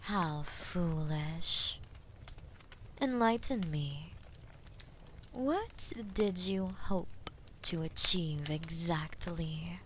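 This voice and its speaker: Woman playing a slow, haughty, menacing dragoness. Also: lowish voice, a bit bright, slight background noise. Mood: mocking, amused. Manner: taunting, condescending, theatrically slow and deliberate. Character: haughty, menacing female dragon toying with a captive knight. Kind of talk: scripted fantasy audio roleplay addressed to the listener.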